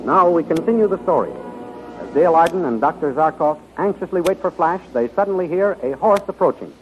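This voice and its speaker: A man's voice: a little high, expressive, a little fast, faint music behind. A man announcing and narrating a 1930s radio serial in a formal, dramatic, emphatic way. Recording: dull 1930s radio recording.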